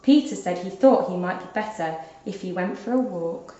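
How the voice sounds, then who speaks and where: A woman narrating a children's story aloud in an expressive, deliberate storytelling manner, like a teacher. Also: fairly low pitch. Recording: dull, roomy lo-fi recording.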